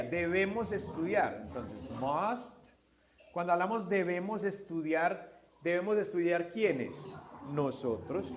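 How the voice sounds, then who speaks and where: A patient male teacher with a slightly high voice walks his class through grammar in Spanish, dropping in English example sentences. He keeps checking in with quick questions. The recording carries a faint background hiss. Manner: patient, step-by-step, asks students checking questions. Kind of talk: online class explanation.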